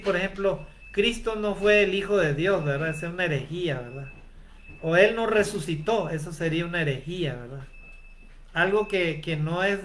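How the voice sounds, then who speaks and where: A man's voice: high voice, a bit bright. A man preaching a sermon, asking rhetorical questions and calling his listeners brother. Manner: rhetorical questions with frequent tag "¿verdad?", addresses listeners as brother.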